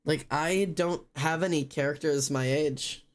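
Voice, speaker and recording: A man's voice: on the high side, fairly even intonation, a little slow. A man in his late twenties chatting casually and rambling as a streamer while drawing. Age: late 20s. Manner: chatty, rambling, many fillers.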